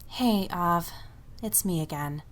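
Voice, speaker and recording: A woman's voice: fairly low pitch, slow. A woman playing an anxious, restless young woman in an audio drama, fretful and exasperated. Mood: worried. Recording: faint noise and room ambience.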